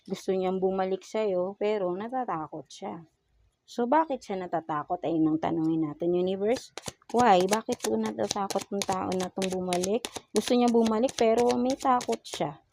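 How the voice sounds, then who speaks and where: A woman's voice: mid-range voice, a little mellow, a little hiss or hum, low-quality recording. A woman with a Filipino accent doing a casual tarot reading, mixing Tagalog and English and asking coaxing rhetorical questions. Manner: slow, murmured pleading while drawing cards. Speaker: tarot reader.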